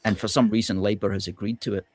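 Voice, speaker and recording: A man hosting a political discussion, measured and questioning, with hesitant fillers. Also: lowish voice, little pitch movement, dry recording. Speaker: host.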